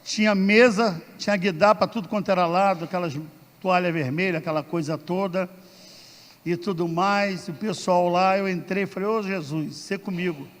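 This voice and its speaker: A man's voice: sits high, moderate pace. A man, a guest pastor preaching and telling a personal story, acting out the dialogue. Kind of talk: sermon with personal testimony. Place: church sanctuary. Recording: reverberant church hall.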